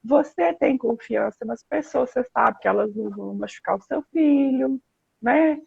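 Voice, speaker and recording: A speaker with a very gravelly, raspy voice comes through a narrow, phone-like line. The sound is dry and close. The talk is casual and encouraging, in short phrases. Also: high-pitched, normal speed, no echo. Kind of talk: casual conversation on a live stream. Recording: tinny phone-like call audio.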